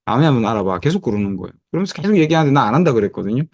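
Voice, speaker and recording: A man's voice: mid-range voice, big pitch swings, racing, a little mellow, dry recording, studio quality. A man in his fifties giving a motivational presentation over a video call. He tells his story with many fillers and acts out the dialogue of others. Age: 50s. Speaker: network marketing presenter.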